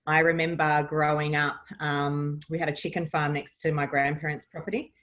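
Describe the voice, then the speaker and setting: Her voice is low and fairly bright, with little pitch movement and a moderate pace. The speaker, an Australian woman in her forties, is a podcast guest reminiscing cheerfully and chattily about her childhood.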